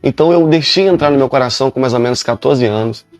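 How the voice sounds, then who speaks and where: A man's voice: mid-range voice, fast, a little mellow, soft background music. A male pastor, telling his own conversion story emphatically and with many repetitions. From Rio de Janeiro, Brazil. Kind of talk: preaching a personal testimony.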